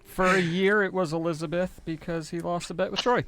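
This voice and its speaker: A man's voice: high voice, fairly even intonation, brisk, a bit bright, slight background noise. A man talking casually and jokingly as a guest player on a podcast.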